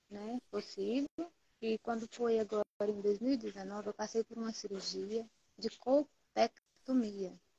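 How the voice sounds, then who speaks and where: At a fairly slow pace, a woman speaks with a fairly high pitch in a dry sound with no echo. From Goiás, Brazil. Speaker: viewer asking a medical question. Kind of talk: live Q&A. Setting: Instagram live stream. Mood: earnest, somewhat hesitant. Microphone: earbuds.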